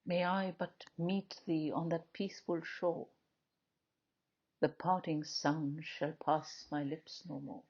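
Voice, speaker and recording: Slow, husky woman reciting poetry. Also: low voice, level tone, a little mellow, lo-fi sound. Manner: measured, declamatory, with frequent pauses between short phrases. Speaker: poetry reader. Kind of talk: solemn dramatic poetry recitation.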